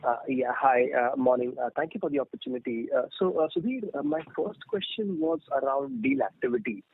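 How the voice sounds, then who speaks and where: A man's voice: mid-range voice, animated, fairly quick, gravelly, a little hiss or hum. Man on a breaking-up phone line. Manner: hesitant, many "uh" fillers. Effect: phone call breaking up and dropping out. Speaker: analyst asking questions on an earnings call. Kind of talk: phoned-in question on a conference call. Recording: tinny dry phone line.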